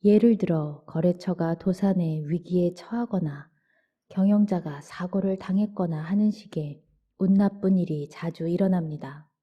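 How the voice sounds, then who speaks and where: A low-pitched woman reads a book aloud for listeners drifting off to sleep. Her delivery is soft, unhurried and gentle, at times sinking almost to a whisper. The recording sounds dull and lo-fi. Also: husky. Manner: soft, slow and gentle, sometimes near a whisper. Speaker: audiobook narrator. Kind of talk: calm bedtime book reading. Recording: dull lo-fi audio.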